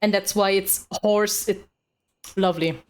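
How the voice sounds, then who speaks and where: A woman's voice: mid-range voice, steady tone, measured pace, a little mellow. A woman giving casual gameplay commentary as a streamer, reacting to a video game.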